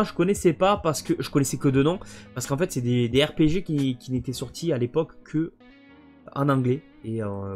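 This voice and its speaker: Hesitant French-speaking man presenting games. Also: fairly high pitch. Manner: hesitant, many fillers and restarts. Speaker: game collector presenting his collection. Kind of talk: casual collection presentation.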